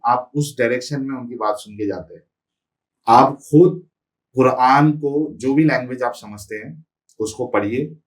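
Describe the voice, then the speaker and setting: A man's voice: mid-range voice, recorded from a distance. A man speaking as the guest on an interview podcast, emphatic and listing his points one by one.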